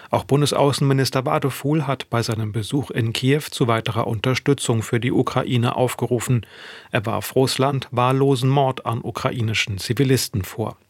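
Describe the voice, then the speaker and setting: A man reading a radio news report in a measured, formal way. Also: medium pitch, no room sound. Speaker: news correspondent. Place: radio studio.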